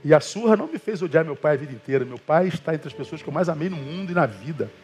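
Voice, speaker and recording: A man's voice: fairly high pitch, quick pace, soft background music. A man preaching as a pastor, telling stories in a colloquial way and acting out the voices of the people in them. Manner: animated storytelling with quoted voices; colloquial, addresses listeners as brother. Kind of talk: sermon.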